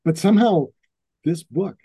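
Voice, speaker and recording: Male photographer, mellow tone, dry close sound, chatty storyteller who acts out the voices of the people he quotes. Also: sits high, moderate pace, slightly rough, no room sound. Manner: animated, acts out quoted voices, restarts often. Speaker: portrait photographer telling client stories. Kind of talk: casual storytelling in an interview.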